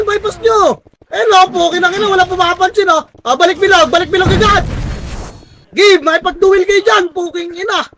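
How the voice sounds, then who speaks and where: A woman shot-calling her team during live gameplay, barking rapid commands, swearing constantly at her teammates, and often shouting in exasperation. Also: very high-pitched, low-quality recording. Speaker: team commander in an online strategy game.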